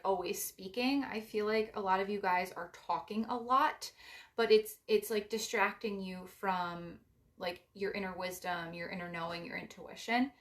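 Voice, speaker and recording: A young woman with a raspy voice talks through a spiritual card reading in a loose, meandering way. She offers gentle advice and uses a lot of fillers as she goes. Her pitch sits in an ordinary middle range. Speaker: psychic card reader.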